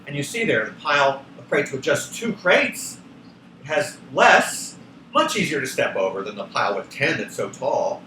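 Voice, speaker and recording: A man reading a children's story aloud in an animated, emphatic way, addressing young viewers, recorded at a distance in a roomy space. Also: mid-range voice, normal speed. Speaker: children's show co-creator reading a picture book aloud. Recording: roomy, distant home recording, faint noise.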